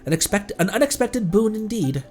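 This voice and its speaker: A man's voice: high-pitched, expressive, fairly quick, darkish tone, soft background music, pitched above the performer's own voice. A man voicing a polite, enthusiastic researcher from a fantasy game, chatty and courteous as he reads the dialogue aloud. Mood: friendly, earnest.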